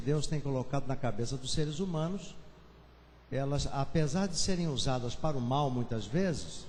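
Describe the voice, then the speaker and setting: A man's somewhat breathy, fairly high voice comes with audible room echo. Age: 60s. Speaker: pastor. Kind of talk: church announcements. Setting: church.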